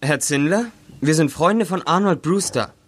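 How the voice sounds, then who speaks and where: A man's voice: fairly high pitch, moderate pace, fairly bright tone. An actor playing a polite, persistent young male investigator in a German radio drama. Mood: earnest, questioning. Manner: polite, insistent questioning.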